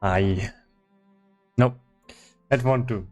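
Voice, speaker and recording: A man doing casual livestream commentary as he works on game development, thinking aloud in a halting way. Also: lowish voice, darkish tone, soft background music. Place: indoors in his own room.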